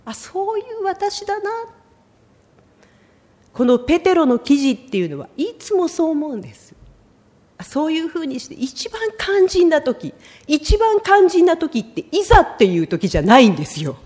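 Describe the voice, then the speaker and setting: Woman, middle-aged, sermon, high voice, lively pitch, expressive storytelling. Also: normal speed. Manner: storytelling, acts out quoted lines, emotional and expressive. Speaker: preacher.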